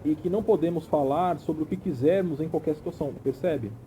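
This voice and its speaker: Dark-voiced man lecturing casually. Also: on the high side, a little fast, slight background noise. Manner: conversational, keeps checking in with "tá?". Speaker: teacher. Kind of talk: informal video lecture.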